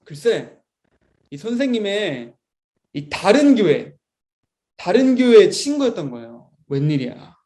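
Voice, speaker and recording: A young man, a Sunday school teacher, telling a story to children in a lively, expressive way. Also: high-pitched, a little slow, pauses often.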